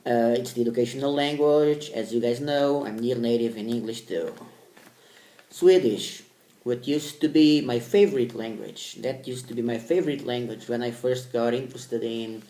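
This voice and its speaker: A man's voice: mid-range voice, mellow. A man whose first language is Portuguese, talking casually to camera in English, hesitant and repeating himself. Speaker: vlogger. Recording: echoey room.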